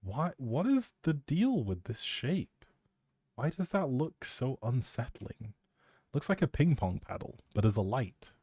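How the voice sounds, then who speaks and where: A man's voice: medium pitch, dark tone, husky, dry recording, studio quality. A man chatting casually as a live streamer, playful and teasing as he thinks aloud while commenting on a game.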